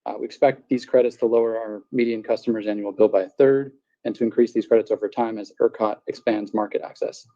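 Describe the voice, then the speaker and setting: A man's voice: lowish voice, fairly even intonation, quick pace, warm tone. A man speaking as a company representative, delivering prepared remarks on an earnings call through muffled conference audio.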